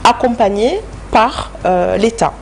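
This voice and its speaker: Speaking slowly in a gravelly mid-range voice, a woman from France, French-accented, is the expert guest in a studio interview, an HR director explaining things in a structured way. There's slight background noise.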